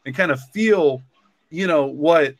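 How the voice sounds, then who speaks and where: A man's voice: on the high side, a little slow, no room sound. A man talking casually and reflectively, rambling with lots of "like" and "you know". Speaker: podcast co-creator and story author.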